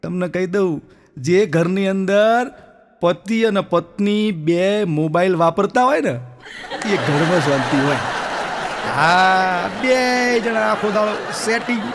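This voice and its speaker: A man telling stand-up jokes with a slow, half-sung delivery. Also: high-pitched, lively intonation, long reverb tail. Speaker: stand-up comedian.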